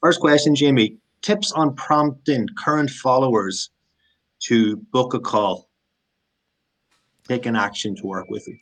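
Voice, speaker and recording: A man's voice: medium pitch, a little slow, pauses often, low-quality recording. A man from Galway with a west of Ireland accent, a fitness coach speaking conversationally. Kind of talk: conversational question and answer.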